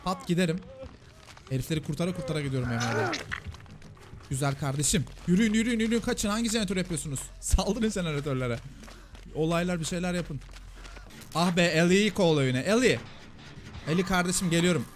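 A man with a high voice commenting on a game at a rapid clip. He fires off short urgings to teammates again and again, and the recording carries clear game noise underneath. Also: lively intonation. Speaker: gaming streamer. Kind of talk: excited Let's Play commentary. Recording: noisy game audio underneath.

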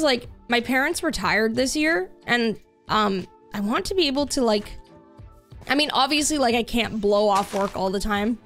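A woman's voice: a little high, a bit bright. Bubbly, chatty young woman streamer. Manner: bubbly, chatty, many filler "like"s. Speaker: game streamer. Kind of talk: casual chat while playing a game.

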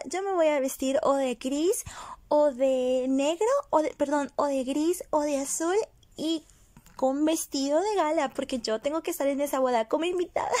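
A young woman chatting excitedly as a fan vlogger, gushing and giggly in a casual voice-over. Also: high-pitched, no echo.

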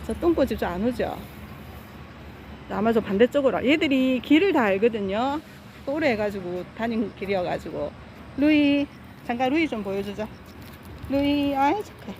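A woman's voice: on the high side, lively intonation, normal speed, a little mellow, a little hiss or hum. A woman walking her dogs outdoors, chatting casually on a phone live stream and fondly scolding her pets. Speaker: dog owner live-streaming a walk. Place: outdoors on a walking path by stepping stones.

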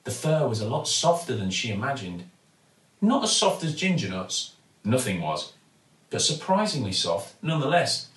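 A British man in his forties reading a children's bedtime story expressively, with theatrical pauses and emphasis. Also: mid-range voice, sing-song, a bit bright. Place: living room at home, indoors. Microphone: camera or phone a few feet away. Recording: roomy, mic at some distance.

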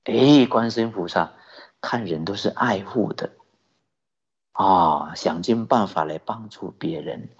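A man who is a Buddhist teacher, giving a sermon with lively storytelling and rhetorical questions. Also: fairly low pitch, measured pace, slightly rough. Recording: dull lo-fi recording.

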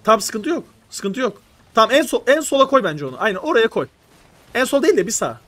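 A young man streaming live, coaching players through a strategy game with urgent, animated instructions. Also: high-pitched, quick pace, no room sound.

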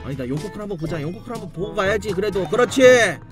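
A man's voice: high-pitched, expressive, quick pace. A man doing live game commentary as a streamer, theatrical and exclamatory, playfully addressing his viewers. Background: game music.

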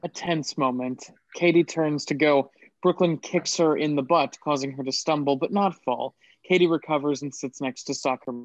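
Brief: male narrator, matter-of-fact stage directions, slightly high voice, dry lo-fi sound. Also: moderate pace, no echo. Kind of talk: scripted narration. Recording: dry, dull lo-fi audio.

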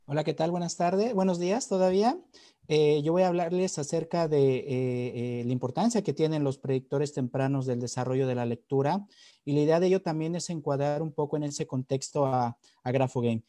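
A man's voice: fairly high pitch, fairly quick, dark tone, no room sound. A man with a Mexican accent giving an academic webinar talk on a video call, often hesitating and repeating words. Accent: Mexican Spanish. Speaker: webinar presenter. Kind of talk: academic presentation. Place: home room, on a video call. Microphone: webcam or computer mic on a video call.

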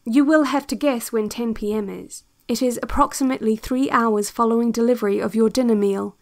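A woman playing a calm, controlling narrator of an institute's relaxation cassette, measured and hypnotic in an audio drama. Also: fairly high pitch, close to an everyday voice. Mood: formal, procedural. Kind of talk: scripted guided-meditation narration, audio drama.

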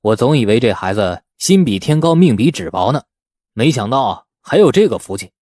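Grateful rural father, read by a male narrator, effusive, animated, audiobook storytelling. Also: medium pitch, normal speed, no room sound, clean studio sound. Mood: delighted. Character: eager, grateful village father.

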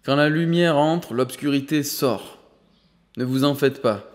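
Homme jouant un vieux patriarche riche, exalté et généreux. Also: male voice, medium pitch, unhurried, natural voice. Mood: jovial. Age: older. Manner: enthusiastic, emphatic, playful. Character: exuberant elderly rich grandfather, suddenly generous. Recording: long hall reverb.

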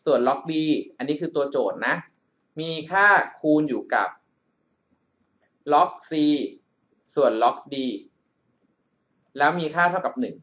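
With lo-fi sound, a man voices over a math screencast, explaining an exam problem in a fairly high, slightly bright voice. He often asks if the listener is with him and uses a big-brother nickname for himself.

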